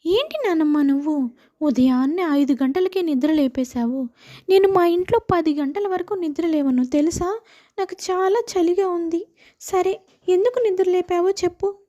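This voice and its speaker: A woman voicing a spoiled, lazy young city girl with a whiny, pleading manner in an animated children's story. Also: very high-pitched, normal speed.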